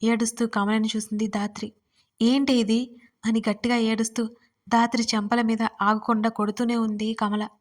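A woman storyteller narrating a romance audio story in a steady, expressive reading voice. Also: fairly high pitch, a little fast.

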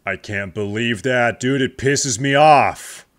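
A man's voice: mid-range voice, takes it slowly, music in the background. A man giving sarcastic, mocking commentary while reacting to a video on a stream.

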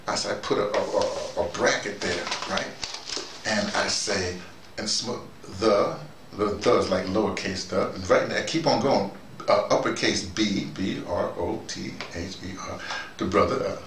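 The speaker is a middle-aged American man with a low voice, captured by a distant mic in an echoey room with noticeable background noise. Hosting a casual video dispatch, he rambles to camera, stumbling, repeating words and going off on tangents.

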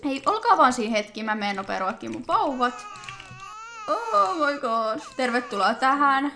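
A young woman with a Finnish accent, chatting excitedly to viewers while playing a life-sim game. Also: a little high, noisy background. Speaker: let's play host. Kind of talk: casual gameplay commentary.

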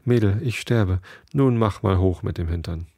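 A man's voice: low voice, moderate pace, dark tone, husky, no room sound, studio quality. A man voicing a jovial, teasing male guardian angel who bosses a young woman around playfully.

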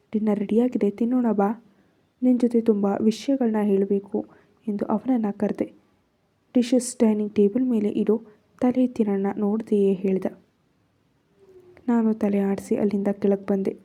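A woman's voice: medium pitch, warm tone, slightly rough. A woman narrating a first-person love story in Kannada-accented speech, raising her voice for quoted lines.

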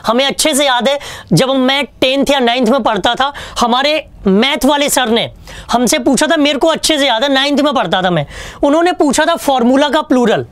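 A man's voice: extremely high pitch, a little fast, fairly bright tone, no echo. A man teaching an online exam-prep English lesson, chatty and joking, asking questions and answering them himself. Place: online class studio with a whiteboard.

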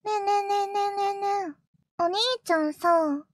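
A woman streamer voicing a clingy, possessive yandere little sister, sweet and doting but turning jealous and menacing, sometimes dropping to a hushed whisper. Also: extremely high pitch, fairly even intonation, normal speed, no room sound, clean studio sound. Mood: sweetly clingy. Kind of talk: live-stream character role-play, reacting to chat.

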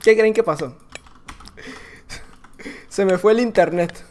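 A man with a Mexican Spanish accent giving casual, excitable gameplay commentary, full of slang, laughing and often shouting. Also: sits high, slow pace. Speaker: gaming YouTuber.

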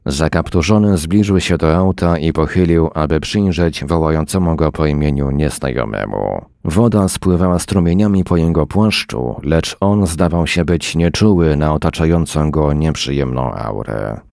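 A man narrating a short story in a calm, measured reading style. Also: a bass voice, vocal fry, no echo, clean studio sound. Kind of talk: audiobook narration.

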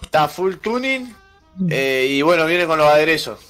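A fairly high-voiced man playing a hot dog vendor in a game roleplay. He talks in a relaxed way and laughs along. Faint music plays behind him. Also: moderate pace. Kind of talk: GTA roleplay stream banter.

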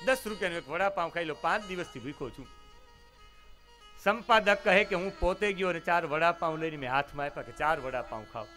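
A man's voice: high-pitched, fast talker, bright, forceful tone. A man preaching in a devotional storytelling style, telling moral tales with dramatic emphasis. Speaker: religious storyteller. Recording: violin music behind the voice.

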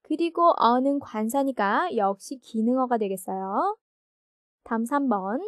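A woman's voice: a little high, expressive, measured pace, no echo, studio quality. A woman teaching an English grammar lesson, explaining patiently and often asking check questions.

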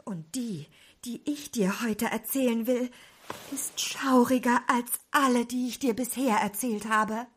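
An actress playing a small, feisty apple witch in a children's audio drama, husky and dramatic. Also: measured pace. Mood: conspiratorial. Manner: dramatic, shifting between hushed and shrill.

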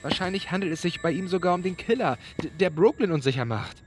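An actor playing an anxious, desperate doctor in an audio drama, hesitant and pleading. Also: male voice, high-pitched, lively intonation, fast talker. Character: anxious, desperate male doctor seeking help. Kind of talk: German audio drama acting. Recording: faint music behind the voice.

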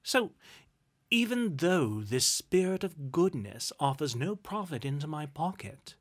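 A man's voice: a little high, sing-song, a little slow. A man voicing a cheerful, good-hearted young nephew in a storybook, polite, earnest and a little mischievous. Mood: earnest, pleading.

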